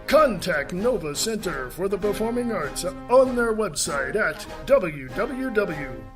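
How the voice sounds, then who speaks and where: A male announcer reads scripted radio material in a measured way. His voice is a little high and his delivery very slow and deliberate. Music plays clearly behind him. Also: very animated. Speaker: radio theater announcer and narrator.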